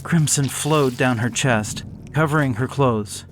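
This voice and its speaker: A man slowly reading a gothic horror story aloud in a measured, somber way. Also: mid-range voice. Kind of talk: scripted horror narration. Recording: hissy background noise.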